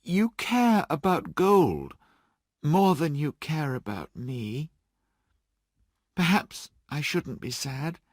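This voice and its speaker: A man voicing a sorrowful young woman who speaks softly and sadly. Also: fairly high pitch, very animated, no room sound, clean studio sound, voice pushed up, heavily acted. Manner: soft, sad, measured speech.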